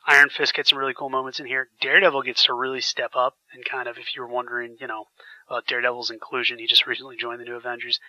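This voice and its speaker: A man's voice: mid-range voice, pushed and bright, no room sound, highs cut off. Enthusiastic male podcast host, congested. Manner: enthusiastic, rambling, frequent fillers. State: recovering from a sinus infection. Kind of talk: casual podcast chat.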